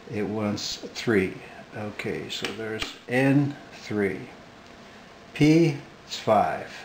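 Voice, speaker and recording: A man talking casually about his hobby, unhurried and hesitant, with lots of fillers, in a home workshop. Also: on the low side, a little hiss or hum, rough recording. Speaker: hobbyist radio collector. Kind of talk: casual talk to camera.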